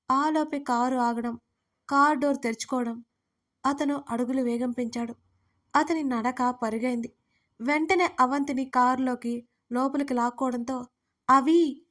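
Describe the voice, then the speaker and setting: A woman narrating a dramatic audio story, reading the characters' lines in her own voice. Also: high voice. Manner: reads all characters' lines with little change of voice.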